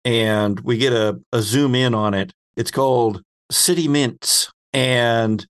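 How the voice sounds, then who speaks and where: Man, game master, medium pitch, improvised storytelling, conversational, halting delivery. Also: clean tone.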